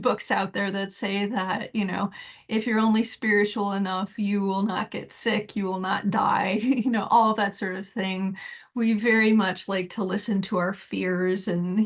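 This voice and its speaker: A woman giving a reflective solo talk as a spiritual teacher, measured and thoughtful with soft laughs between points. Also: medium pitch.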